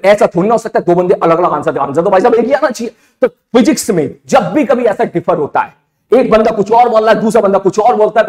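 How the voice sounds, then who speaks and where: Brief: high-pitched man, physics tutor, chatty lecture, quizzes the class aloud. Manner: conversational, asks and repeats questions. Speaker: physics teacher. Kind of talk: lively exam-prep lecture.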